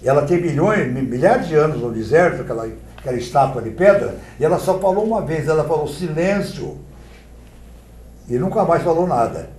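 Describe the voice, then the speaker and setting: Expressive Brazilian man, lively pitch. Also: quick pace, few pauses, roomy sound, a little hiss or hum. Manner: expressive, theatrical speaker. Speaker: talk show guest. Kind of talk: oratory demonstration on a TV talk show. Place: TV studio.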